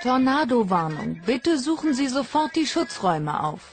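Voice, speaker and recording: A woman giving an urgent, clipped warning announcement over a public loudspeaker, heard from a distance. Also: fairly high pitch, very animated, moderate pace, over music.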